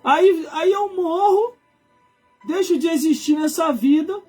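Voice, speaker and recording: A man's voice: very high-pitched, slow pace, darkish tone, soft background music. A man in his forties with a Brazilian accent, preaching informally on a livestream in an emphatic, colloquial way, repeating phrases for effect. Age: 40s. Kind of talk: informal live sermon.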